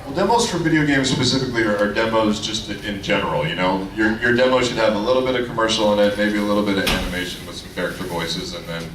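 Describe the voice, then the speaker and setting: Guy with lowish voice doing a casual voice actor panel, animated storytelling, far from mic, roomy echo. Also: quick pace, few pauses. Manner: animated storyteller who acts out quoted lines. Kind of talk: casual anecdotes and advice to an audience. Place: convention panel room. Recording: echoey room, distant mic, clear background noise.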